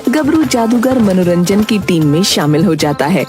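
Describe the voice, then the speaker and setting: A woman narrating a cartoon story in a plain, even storytelling manner. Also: medium pitch, normal speed. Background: background music.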